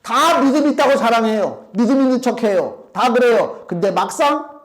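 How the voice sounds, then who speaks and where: A man's voice: very high-pitched, lively intonation, normal speed. A male pastor preaching a sermon in an emphatic, conversational way, asking the congregation questions and acting out quotes.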